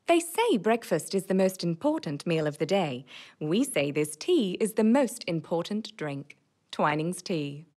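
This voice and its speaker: A young woman delivers a scripted voice-over in a fairly low register. She is recorded close on a studio mic, reading in the manner of commercials and narration. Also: very animated, a little slow, darkish tone. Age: young adult. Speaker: voice-over artist. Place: recording studio vocal booth, indoors. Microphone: large studio condenser with pop filter, close.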